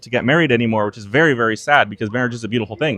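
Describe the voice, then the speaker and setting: A man speaks with an American accent and lively intonation. The sound is dry and close, with no echo. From US Northeast, Massachusetts. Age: 30s. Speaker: interviewee. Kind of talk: interview.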